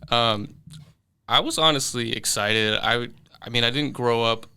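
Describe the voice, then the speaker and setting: Young man with a bright, clear voice. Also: mid-range voice, a little slow. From London. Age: 20s. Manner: relaxed, hesitant, many fillers and restarts. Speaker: guest musician. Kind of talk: casual interview answers. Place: studio.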